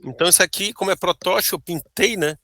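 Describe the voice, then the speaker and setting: A Brazilian man with a bright, forceful voice walks through his board game design, stopping to check in with "né?" and "tá bom?". The sound is dry and close, with no room around it. It comes across as a video call. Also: high voice, fast, dry recording. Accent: Brazilian Portuguese. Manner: explains with frequent "né?" and "tá bom?". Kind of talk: casual interview chat.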